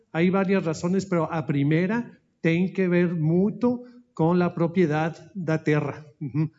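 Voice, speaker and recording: A man who speaks Portuguese as a second language, with a Spanish accent and Spanish mixed in, gives a formal slide presentation at an anniversary event, pausing often to search for words. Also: on the high side, darkish tone. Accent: Spanish-speaking, mixing Spanish into Portuguese. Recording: dull lo-fi audio.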